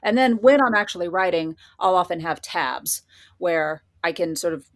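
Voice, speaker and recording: A woman's voice: on the low side, lively intonation, normal speed. A woman talking casually as an interview guest, explaining things informally with examples. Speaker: guest author.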